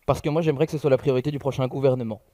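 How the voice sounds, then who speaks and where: A man's voice: mid-range voice, steady tone, racing, mellow, no echo. A young adult man making a rhetorical, emphatic political debate speech. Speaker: political youth-wing leader, debate panelist.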